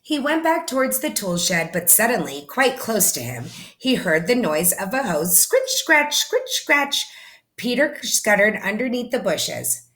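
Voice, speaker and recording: A woman reading a children's story aloud in an expressive, animated way, as if to young listeners. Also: medium pitch, unhurried. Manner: animated, explains words and asks listeners questions. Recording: echoey room.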